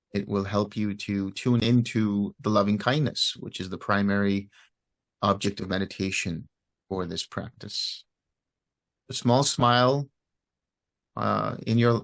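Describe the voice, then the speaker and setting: A man giving guided meditation instructions as a teacher, speaking gently and unhurriedly with pauses between short phrases. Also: on the low side, dry recording.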